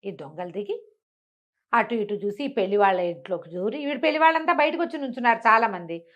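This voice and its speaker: A woman telling a story in an animated, conversational way, as an informal oral storyteller. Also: medium pitch, fast talker, lo-fi sound. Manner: conversational, acts out characters' dialogue.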